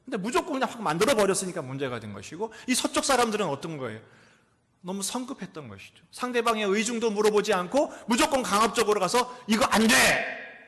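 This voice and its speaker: Middle-aged male pastor, sermon; fairly high pitch, rhetorical questions, loud-to-whisper swings, reverberant sanctuary. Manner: dramatic preaching, swinging from loud exclamations to near whispers; asks rhetorical questions and answers them. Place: church sanctuary. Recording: echoey church hall reverb.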